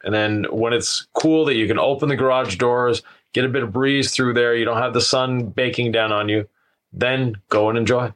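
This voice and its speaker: A man's voice: mid-range voice, steady tone, normal speed, a bit bright, a little hiss or hum. A man chatting casually as a podcast host, explaining practical advice in an easygoing way. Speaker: podcast host and experienced detailer.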